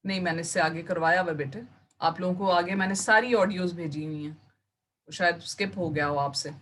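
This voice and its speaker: A woman's voice: on the low side, fairly even intonation, brisk, fairly bright tone. A woman teacher giving an online class, explaining terms step by step and mixing English words into her Urdu. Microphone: computer mic on a video call.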